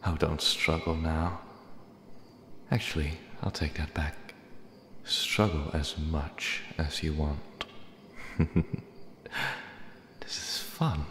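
A man's voice: a bass voice, slow pace, pauses often, fairly bright tone, full character voice. A man playing a possessive, menacing cat demon in an ASMR roleplay, taunting with mock affection. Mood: predatory, amused. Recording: echoey hall reverb, clear background noise. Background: ambient sound effects.

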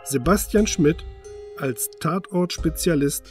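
A man's voice: a little high, slow pace. A man reading scripted credits as an announcer. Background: music.

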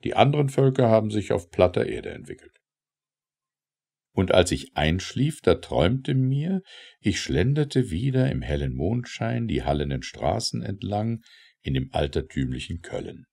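Deep, gravelly man reciting verse dramatically. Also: big pitch swings, darkish tone. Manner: theatrical, declamatory, measured phrasing with pauses. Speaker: audiobook narrator.

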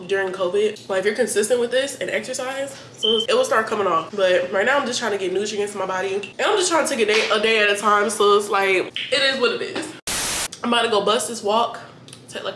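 A woman's voice: mid-range voice, background noise. A young adult woman vlogging her day in a casual, blunt, profane way, sounding a bit stuffy in the nose. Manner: blunt, profane, chatty, talks straight to viewers. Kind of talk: casual day-in-the-life vlog. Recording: echoey room with clattering dishes.

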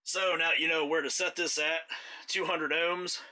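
A man's voice: fairly high pitch, moderate pace. A man giving a casual hands-on repair tutorial indoors, explaining step by step as he works. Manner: relaxed, explanatory, talks while working. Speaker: mower repair technician.

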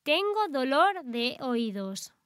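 A woman reads short phrases for learners, each word carefully enunciated and then repeated. She speaks extremely slowly, in a fairly high voice. The recording is dry and close, with no room sound. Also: sing-song, a bit bright, dry recording. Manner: clear, careful, deliberate enunciation. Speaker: language teacher.

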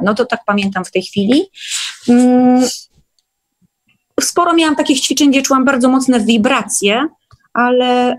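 A woman speaking as a guest in a casual conversation, recalling her own experiences. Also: a little high. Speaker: guest sharing workshop experiences.

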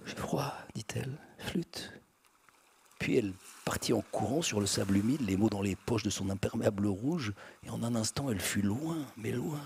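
A man reading a novel aloud in a slow, deliberate way, pausing and hesitating now and then. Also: lowish voice, vocal fry, darkish tone, husky. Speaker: reader.

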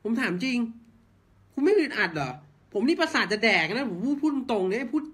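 A man's voice: very high-pitched, sing-song, a little fast, a bit bright. A man ranting blunt football commentary, heated and swearing, firing off rhetorical questions. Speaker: football fan channel host.

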